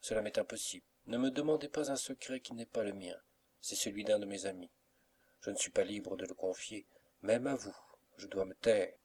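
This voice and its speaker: A man reading the lines of a gentle, mysterious young suitor in an audiobook, in a soft, respectful, reassuring manner. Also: on the low side, normal speed, breathy edge. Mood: secretive.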